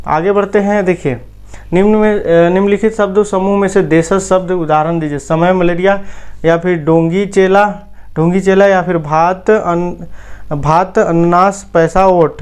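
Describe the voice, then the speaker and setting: A man's voice: sits high, smooth. A man teaching an exam-prep lesson, reading out questions and options, asking his viewers for the answer and then giving it himself. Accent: Indian Hindi. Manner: repeatedly asks the audience, then gives the answer.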